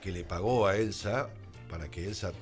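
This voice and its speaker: A man's voice: low-pitched, normal speed. An Argentine man, a guest in a radio studio, telling stories conversationally and quoting dialogue as he goes. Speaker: radio drama producer and adapter, interview guest. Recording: music playing under the voice.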